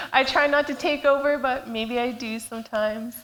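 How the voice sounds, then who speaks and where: A woman's fairly high voice in a Canadian West Coast accent, at a fairly slow pace with ordinary pitch variation. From Vancouver Island, British Columbia. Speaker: storyteller. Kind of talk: personal storytelling on stage. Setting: stage with audience. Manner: loud.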